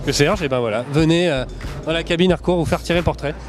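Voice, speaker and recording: A man's voice: on the high side, fast, over music. Chatty man reporting from a trade show. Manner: chatty, hesitant with many fillers. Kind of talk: casual walking commentary and vox-pop. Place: busy indoor exhibition hall.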